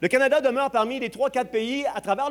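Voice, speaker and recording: A loud voice with ordinary pitch variation. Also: man. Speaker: pro-life activist. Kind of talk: church announcement talk. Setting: church with congregation.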